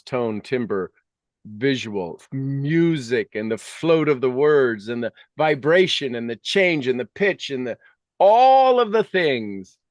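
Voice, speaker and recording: A man's voice: mid-range voice, no echo. Emphatic mature man, close dry sound. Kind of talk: conversational coaching talk.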